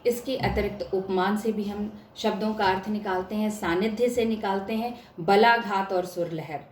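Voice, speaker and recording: A woman's voice: mid-range voice, steady tone, normal speed. A woman giving an academic lecture, explaining each point and stressing words to show examples. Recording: echoey room with faint hiss.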